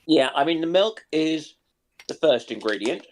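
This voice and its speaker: A man in a casual live chat, talking haltingly with pauses between short phrases. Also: fairly high pitch, animated, slight background noise.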